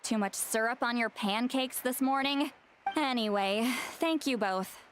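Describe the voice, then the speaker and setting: A woman's voice: a little high, measured pace, a bit bright, a little hiss or hum. A woman voicing a young female sorceress nicknamed granny, dry and teasing, who sighs often. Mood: wry. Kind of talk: game voice acting. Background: game music.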